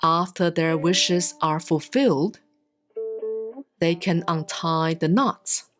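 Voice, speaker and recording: Woman, lowish voice, very unhurried solemn sutra reading, deliberate pauses, plucked-string music behind. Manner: measured, deliberate phrasing with pauses. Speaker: Buddhist monastic reading scripture. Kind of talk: solemn scripted sutra recitation, audiobook-like reading. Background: soft plucked guitar-like music.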